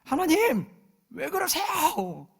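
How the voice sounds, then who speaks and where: Pastor doing a high, whiny, aggrieved old prophet, gravelly edge, sermon voice. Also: male voice, lively intonation, measured pace, exaggerated voice. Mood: complaining. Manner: whiny, complaining.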